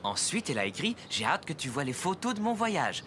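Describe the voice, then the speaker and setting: An actress playing a calm, friendly grown-up in a children's cartoon. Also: female voice, sits low, a little fast, slight background noise. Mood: calm, kind. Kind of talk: French-language children's cartoon dialogue.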